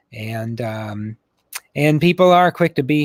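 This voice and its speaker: A man speaks with an American accent. The recording is very clean, with a silent background and a dry, close sound with no echo. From Indiana, US Midwest. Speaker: farmer and YouTuber. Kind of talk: casual interview chat. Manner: rambling, halting.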